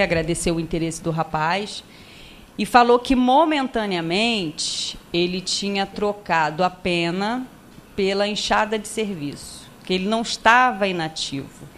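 A Brazilian woman seated at a panel table in a lecture hall, recounting a book passage in a measured, hesitant way. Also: mid-range voice, a bit bright, a little hiss or hum. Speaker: lecturer at a spiritist center.

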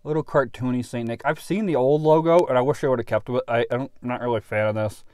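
A man in his thirties giving a casual off-the-cuff product review, halting and unhurried as he thinks aloud, recorded in a car. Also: medium pitch, steady tone, a little mellow, clean tone, no room sound, studio quality. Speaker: pipe tobacco reviewer. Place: inside a parked car.

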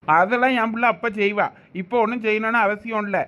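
A man's voice: high voice, fast, bright, forceful tone. A man with a Thoothukudi Tamil accent playing an indulgent village father who soothes and spoils his daughter in a comedy skit.

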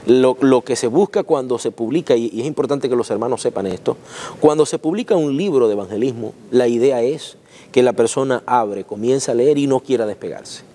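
In a dim church sanctuary, a man in his thirties interviews an author through a lapel mic, his warm mid-range voice set against slight background noise. Halting and admiring, he stumbles and repeats words as he praises the book.

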